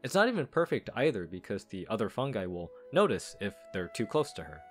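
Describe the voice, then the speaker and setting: A man with a lowish voice delivers scripted game review commentary in a casual, explanatory way. His intonation moves around a lot, rising and dropping through each point. Soft music plays behind him. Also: sing-song, brisk. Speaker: video game reviewer and lore analyst. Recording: background music.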